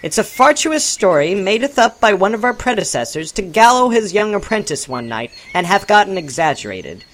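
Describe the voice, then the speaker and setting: A man's voice: high voice, very animated, normal speed, hardly any pauses, a bit bright, voice pushed up. A man voicing a precocious six-year-old boy clone who speaks in mock-archaic English. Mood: matter-of-fact. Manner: mock-archaic speech, sassy and knowing.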